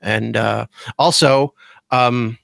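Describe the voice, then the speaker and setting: A thoughtful guest host with a gravelly, fry-laden voice feels his way through a long compliment, filling gaps with ums. The sound is dry and close, with no room. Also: mid-range voice, steady tone, extremely slow, a bit bright, dry recording. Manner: thoughtful, rambling, many fillers. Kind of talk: casual podcast chat.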